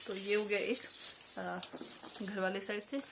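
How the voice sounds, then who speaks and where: A woman's voice: mid-range voice, little pitch movement, measured pace, gravelly. Chatty young woman, noisy home vlog. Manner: chatty, hesitant with many fillers and self-corrections. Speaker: vlogger. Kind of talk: casual show-and-tell vlog. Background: jingling jewellery and bells.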